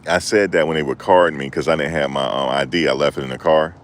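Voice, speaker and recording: This livestream host has a rumbling low voice with a steady tone and talks quickly. He rambles and jokes through a casual conversation with his viewers, frequently addressing chat directly.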